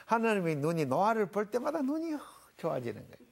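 A middle-aged pastor teaches scripture to a small panel. His pitch swings widely as he works through his points. He explains old Hebrew words with homely everyday examples. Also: big pitch swings, fast talker, gravelly. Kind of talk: televised Bible lecture with a panel.

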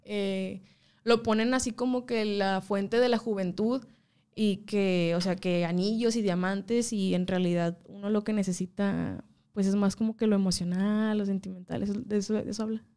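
A woman's voice: medium pitch, moderate pace, clean tone. A young woman from Mexico, chatting as an interview guest and telling stories with slang and frequent laughter. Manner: animated storytelling, laughs often, slangy. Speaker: guest singer. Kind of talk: casual interview chat.

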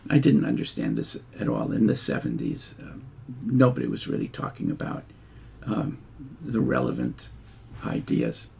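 An older man giving a measured lecture over slides, explaining step by step with fillers and restarts. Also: extremely low pitch, huge pitch swings, vocal fry, darkish tone, slightly rough. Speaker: linguistics lecturer.

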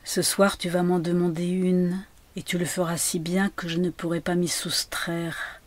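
A woman's voice: lowish voice, flat delivery, a little slow. A woman reading aloud and voicing a grieving woman who murmurs tenderly to her dead lover. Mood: hushed. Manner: hushed, intimate murmuring.

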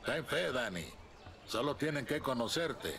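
An actor playing an older, teasing guerrilla mentor, theatrical, jovial and rough-tongued, in a video game. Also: male voice, mid-range voice, animated, unhurried, noisy background. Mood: conspiratorial. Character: boisterous old male guerrilla legend, teasing mentor. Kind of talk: dramatic video game acting. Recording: loud game music behind the voice.

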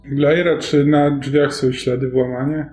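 A man's voice: mid-range voice, little pitch movement, a little slow, darkish tone. A man talking casually as a tabletop role-playing player, stating what his character does and asking questions. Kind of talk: casual in-game talk. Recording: roomy echo, faint music behind.

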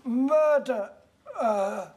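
An actor with a British accent playing a long-suffering, deferential manservant. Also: male voice, very high-pitched, drawn-out words, background noise, heavily acted. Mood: sullen. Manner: deferential, sullen. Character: long-suffering male servant. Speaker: servant.

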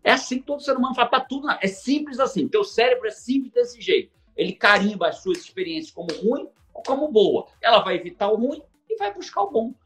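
A man's voice: very high-pitched, brisk, hardly any pauses, faint music behind. A man with a Brazilian accent, a coach telling stories on a live stream, acting out dialogue and swearing casually. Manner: animated storyteller who acts out quoted dialogue and swears casually. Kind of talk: energetic live-stream talk.

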